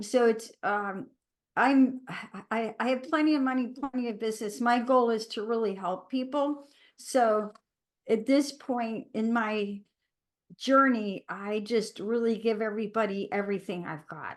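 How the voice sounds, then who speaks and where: A woman with a plain, everyday voice talks fairly slowly, her pitch fairly high with ordinary variation. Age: 60s. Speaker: medical intuitive and yoga teacher. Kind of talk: interview.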